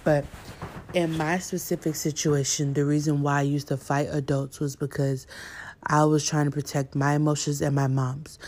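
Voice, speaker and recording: Flat-toned young woman telling her story. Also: low voice, moderate pace, slight background noise. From Houston, Texas, USA. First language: Yoruba. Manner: candid and chatty, many fillers like "you know". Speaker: podcast host. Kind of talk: personal storytelling.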